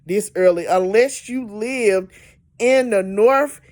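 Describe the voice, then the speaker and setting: A woman's voice: mid-range voice, slow, a little mellow. A woman giving a casual weather update, exasperated and emphatic, repeating words for stress. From Georgia, US. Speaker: amateur weather commentator.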